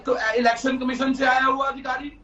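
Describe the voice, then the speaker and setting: A man's voice: very high voice, level tone, moderate pace, pushed and bright. A man making an insistent, accusing statement in a heated debate, his voice carrying a heavy cave-like echo over a remote line. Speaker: political panelist. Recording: echoey distant dull remote line.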